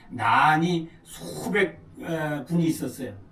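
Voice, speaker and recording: A man with a fairly high voice talks over noticeable background noise. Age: 70s. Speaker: retired pastor and missionary. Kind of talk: interview.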